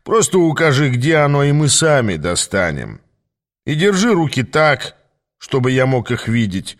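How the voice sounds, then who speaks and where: A man voicing a gruff, wisecracking, menacing male companion who growls commands. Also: mid-range voice, sing-song, moderate pace, close to an everyday voice. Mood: sly.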